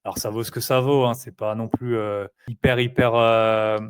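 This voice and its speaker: A man's voice: mid-range voice, moderate pace, background noise. A man chatting casually as an interview guest, rambling a little and leaning on fillers. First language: French. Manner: rambling, filler-heavy, relaxed. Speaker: interviewee, investor. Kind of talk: casual conversational chat.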